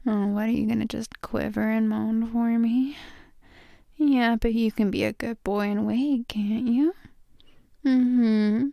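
A woman performing intimate adult roleplay as a dominant, affectionate lover, murmuring drawn-out praise and sometimes slipping toward a whisper. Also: a little high, steady tone, vocal fry, dark tone, no echo, clean studio sound. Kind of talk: intimate erotic audio roleplay addressed to the listener.

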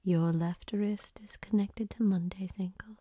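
A woman voicing a young foreign woman who gives orders in a measured, formal whisper. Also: medium pitch, steady tone, dark tone, dry recording, lightly acted. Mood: cool commanding. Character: commanding foreign young woman, cool and controlled.

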